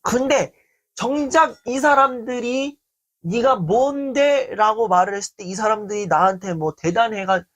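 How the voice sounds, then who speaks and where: A man giving a self-esteem lecture and answering a viewer's letter. He speaks in an animated way and acts out quoted speech. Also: sits high, normal speed. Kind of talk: talk-show style self-esteem lecture.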